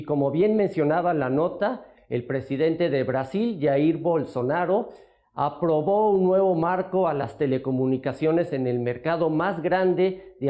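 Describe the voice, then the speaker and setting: Male studio interviewer, soft dark timbre, pitched a little high.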